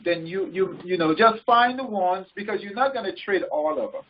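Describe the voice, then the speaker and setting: A man leading a group call as a coach, informally explaining things in halting, repeated phrases and often checking in. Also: high voice, animated. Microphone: conference call line. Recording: muffled, noisy conference call audio with clicks.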